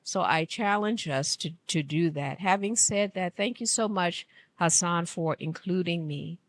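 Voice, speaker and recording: A woman from Liberia giving an earnest, emphatic speech at an event, speaking slowly. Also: fairly low pitch. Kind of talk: formal public speech. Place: conference room.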